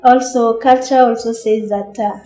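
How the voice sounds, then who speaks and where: A woman's voice: a little high, fairly even intonation, normal speed, dark tone. A woman with a Kenyan accent giving interview testimony for a documentary, as someone who stood for election. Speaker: election candidate and former social worker. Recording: roomy echo, faint music behind.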